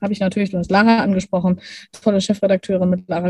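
A woman's dark, mellow, somewhat breathy tone with fairly even intonation. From northern Germany, Lüneburg Heath. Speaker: magazine publishing executive. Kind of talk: interview. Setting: video call.

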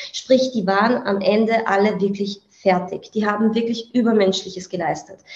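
Speaking at a moderate pace, a woman sounds somewhat breathy, her intonation fairly even. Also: medium pitch for a woman. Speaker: author and labour activist. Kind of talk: interview.

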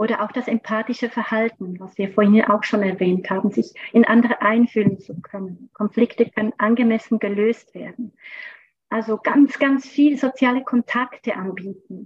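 The intonation stays fairly even, and the voice is somewhat breathy. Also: woman, fairly high pitch for a woman, moderate pace, big swings in loudness. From Switzerland. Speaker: early childhood educator and adult educator. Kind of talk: podcast interview.

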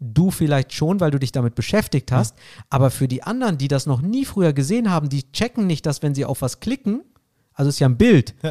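Very fast and lively in intonation, a man speaks in a fairly high pitch with a dark, mellow, somewhat breathy tone on a very clean recording with a silent background. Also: dry, close sound with no echo. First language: not German (speaking German). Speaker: podcast co-host. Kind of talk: casual chat.

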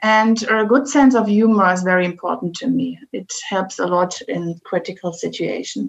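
With a German accent, a woman talks with hardly any pauses. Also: medium pitch for a woman, ordinary pitch variation, moderate pace. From Germany, Ruhr region (Mülheim an der Ruhr). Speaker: management consultant. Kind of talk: interview.

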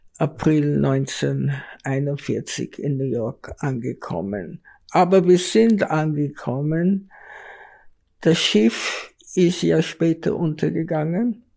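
The tone is dark and mellow. Delivery comes at a very slow pace. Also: woman, very deep, low pitch for a woman, very clean recording, silent background. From Austria. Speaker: Holocaust survivor. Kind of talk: oral history interview.

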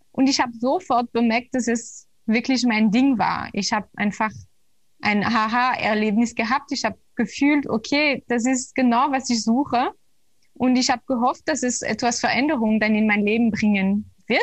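With a quiet background behind her, a woman speaks at a moderate pace in a high voice, with very even loudness and fairly even intonation. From Belgium. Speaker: yoga teacher. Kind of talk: interview. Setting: studio.

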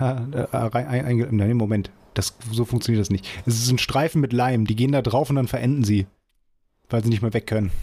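A man speaks at a medium pitch with a dark, mellow tone and a somewhat breathy quality. His loudness stays very even and his intonation fairly even. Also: very clean recording, silent background. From southern Germany. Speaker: podcast co-host. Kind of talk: casual chat.

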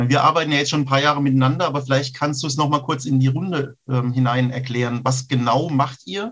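In an unremarkable speaking voice, a man talks at a moderate pace with a fairly high pitch. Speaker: academy study director, podcast host. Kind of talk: scripted narration and moderation. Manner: formal.

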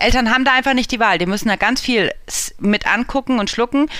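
A woman with a slight Franconian accent speaks in a bright, sharp tone. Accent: Franconian, barely noticeable. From Bavaria, Lower Franconia. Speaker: early childhood education expert. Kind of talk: casual chat.

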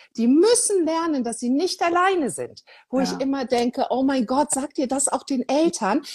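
A high-pitched woman at a moderate pace with lively intonation. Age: 50s. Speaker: early childhood attachment advocate. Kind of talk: casual chat.

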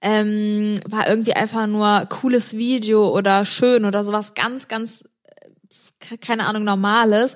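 Very clean recording, silent background. A woman with a fairly high pitch speaks at a very slow pace. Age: 20s. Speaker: YouTuber and podcast co-host. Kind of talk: casual chat. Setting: studio. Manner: animated.

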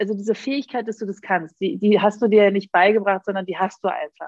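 A plain, everyday voice at a moderate pace, fairly even in intonation, over a quiet background. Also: woman. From East Berlin, Germany. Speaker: podcast host and coach. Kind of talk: interview.

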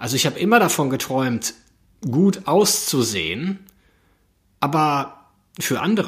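Fairly high-pitched and somewhat breathy, a man speaks at a fairly slow pace with very wide pitch swings and long, frequent pauses. The recording is very clean, with a silent background. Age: 40s. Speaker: podcast host, entrepreneur and father. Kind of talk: personal monologue. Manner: casual, with fillers and self-corrections.

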